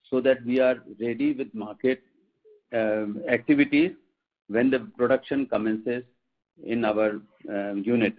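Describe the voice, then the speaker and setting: A man with an Indian accent, a company executive answering questions on an earnings conference call in a measured, formal, explanatory way. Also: mid-range voice. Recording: muffled tinny phone line.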